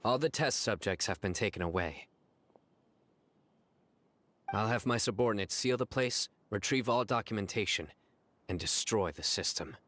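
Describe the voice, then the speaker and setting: An actor playing a stern, composed young male law enforcer in a video game, measured and matter-of-fact. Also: fairly low pitch, fairly bright tone. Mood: businesslike.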